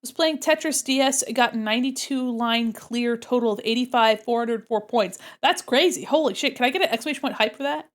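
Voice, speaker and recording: A woman's voice: fairly high pitch, a little fast, hardly any pauses. A woman streaming her art, congested from a cold, chatting casually with viewers and murmuring to herself as she works. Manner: chatty, answers chat questions, murmurs to herself while working. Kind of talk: casual chat with viewers while drawing.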